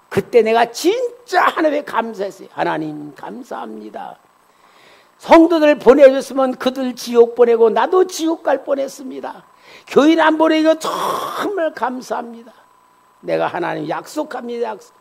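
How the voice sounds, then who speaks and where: A middle-aged male pastor preaching a sermon, telling his own story and swinging from quiet asides to loud exhortation. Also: sits high, creaky, husky.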